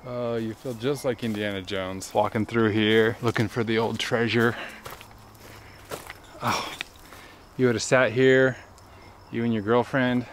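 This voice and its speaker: A man in his thirties talking casually and excitedly as he walks through the overgrown grounds of a ruined palace, recorded outdoors on a clip-on mic. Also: mid-range voice, a little hiss or hum. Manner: excited, chatty, wondering aloud. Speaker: travel vlogger. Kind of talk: casual walking commentary.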